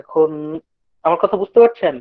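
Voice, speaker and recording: A man's voice: high voice, moderate pace, no room sound. Man's voice stuttering over a buffering call. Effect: choppy buffering stutter from a weak mobile-data connection. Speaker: teacher. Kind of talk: online literature lecture. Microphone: phone on mobile data in an online class. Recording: dull, lo-fi internet call audio.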